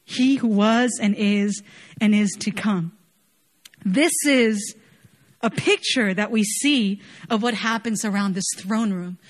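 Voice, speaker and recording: A woman's voice: mid-range voice, takes it slowly. A young woman from Chile giving an earnest, conversational sermon, often dropping in casual fillers as she talks. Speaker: worship leader preaching.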